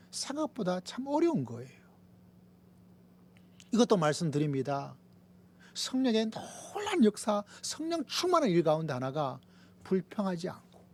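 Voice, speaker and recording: A man's voice: high voice, breathy edge. Emphatic male pastor dropping into whispers. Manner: emphatic preaching, swinging from raised lines to hushed whispers; repeats lists for emphasis. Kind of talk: sermon. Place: church sanctuary.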